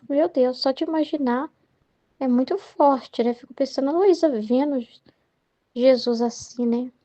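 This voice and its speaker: A young Brazilian woman with a Brazilian Portuguese accent leads a Catholic study, reflecting aloud on a devotional book. She meanders, tagging sentences heavily with "né?" and "entendeu?", in a high, warm voice.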